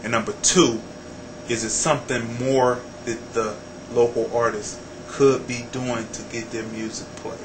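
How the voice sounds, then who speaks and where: An American man interviewing someone casually, putting his questions in a direct, deliberate way, point by point. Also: medium pitch, steady tone. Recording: clearly noisy ambient recording.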